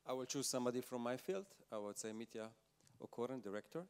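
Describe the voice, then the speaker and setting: A man's voice: mid-range voice, quick pace, a little mellow, smooth. A man speaking as a business panelist, direct and candid. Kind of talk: panel discussion answers.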